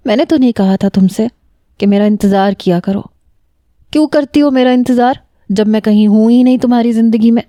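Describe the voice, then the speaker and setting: A woman's voice: medium pitch, dark tone, no echo, studio quality, natural voice. A woman voicing a jealous young man who answers curtly and bitterly. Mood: bitter angry. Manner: curt, sullen.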